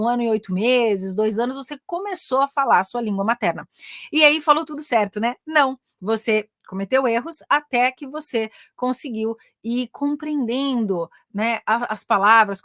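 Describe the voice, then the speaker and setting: A woman's voice: on the high side, fairly bright tone, no echo, clean studio sound. A middle-aged Brazilian woman with a Brazilian Portuguese accent, an English teacher and career mentor giving a casual online lesson, often tagging her sentences with "né?" and pressing her points eagerly. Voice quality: chatty, frequent "né?" tags.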